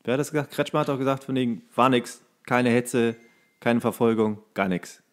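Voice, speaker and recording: A man's voice: mid-range voice, brisk. A man co-hosting a podcast, chatting casually with slangy, crude humour. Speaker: podcast co-host. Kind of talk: casual comedic chat.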